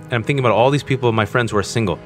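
A man in his forties talking candidly as an interview guest, earnest and animated, with self-mocking storytelling. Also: medium pitch, rapid-fire, soft background music. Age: 40s. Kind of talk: candid conversation.

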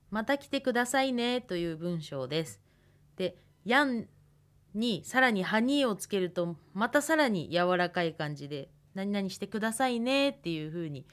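A woman, teaching a radio language lesson patiently and pausing to think aloud. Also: medium pitch. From Hokkaido, Japan. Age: 20s. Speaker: language instructor.

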